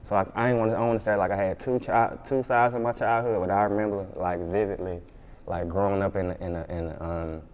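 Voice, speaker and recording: A man from Montgomery, Alabama, with a Southern Black American accent chats casually as an interview guest, saying "like" often and circling back over what he's said. His voice is low-pitched, steady and a little mellow, and he talks fast. The audio sounds dull.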